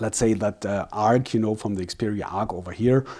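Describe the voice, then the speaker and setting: A man with a non-native accent speaks at a medium pitch in a dark, mellow tone. The recording is very clean, with a silent background. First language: not English. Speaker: tech reviewer. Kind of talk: product review. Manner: halting, many fillers.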